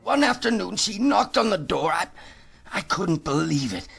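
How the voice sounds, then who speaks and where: An actor playing an older, guilt-ridden father in a horror game, with a creaky voice and halting, anguished, slow delivery. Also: high voice, sing-song, fairly bright tone, heavily acted. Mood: broken, confessing. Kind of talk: dramatic horror game acting. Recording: music under the voice.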